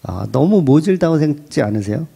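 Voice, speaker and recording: A pastor delivers a sermon, talking with his congregation as if in conversation and acting out short quoted lines. His voice rises and falls in a lively way, set a little high for a man. The tone stays mellow and warm. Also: fairly quick, gravelly, breathy edge. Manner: conversational preaching, acts out quotes and asks the congregation questions.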